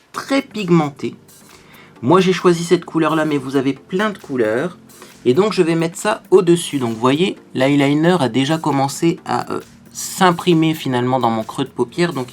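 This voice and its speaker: A man with an ordinary mid-range voice hosts a casual beauty tutorial. He chats to his viewers as he works and explains each step. Soft music plays faintly underneath. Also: mid-range voice. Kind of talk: casual makeup tutorial talk.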